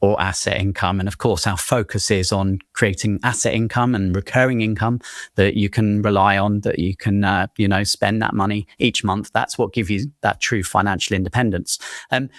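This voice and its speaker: A man's voice: lowish voice, fairly even intonation, normal speed, dry recording, studio quality. A man hosting an interview podcast who talks steadily and guides the guest with his questions. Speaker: podcast host. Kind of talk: conversational interview.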